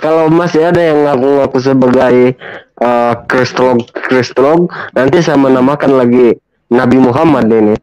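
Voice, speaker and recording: A man's voice: mid-range voice, darkish tone, clear, resonant tone, no echo, lo-fi sound. Easygoing Malaysian-born man, dry sound. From Malaysia (Sabah). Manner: easygoing, halting with fillers. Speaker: guest. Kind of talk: casual video call chat.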